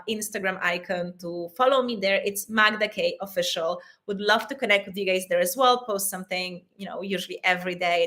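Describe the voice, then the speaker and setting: A woman from Poland with a Polish accent, hosting a live stream as an intimacy coach and answering chat questions warmly and with frequent laughter. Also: mid-range voice. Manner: warm and affectionate, calls viewers "my loves", laughs often.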